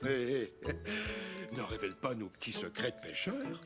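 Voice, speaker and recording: A man's voice: medium pitch, sing-song, unhurried. A man voicing a kindly, easygoing old grandfather in a French children's cartoon dub. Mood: genial. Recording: music under the voice.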